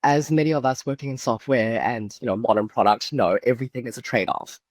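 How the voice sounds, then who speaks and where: A man with a New Zealand accent, a podcast guest calmly explaining his views as a UX researcher. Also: mid-range voice, a little fast, no echo. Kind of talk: podcast interview.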